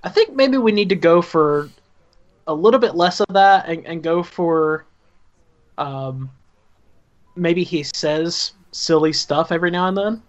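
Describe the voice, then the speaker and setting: A man with a Southern drawl talks through his project in a relaxed, chatty way, laughing often and tripping over the starts of words. His voice sits a little high for a man, and the recording sounds dull and lo-fi. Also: a little slow. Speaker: writer and director. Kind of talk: casual commentary chat.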